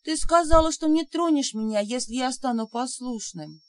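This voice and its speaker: A woman voicing a timid little male house spirit, squeaky and plaintive. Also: animated, moderate pace. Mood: pleading.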